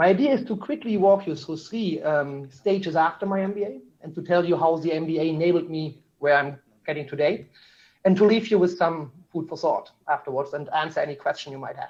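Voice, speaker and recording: A man with a German accent talks at a fairly quick pace in a high voice, his pitch moving in an ordinary way. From Germany. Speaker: alumni speaker, business executive. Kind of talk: ceremony speech. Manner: hesitant, many fillers.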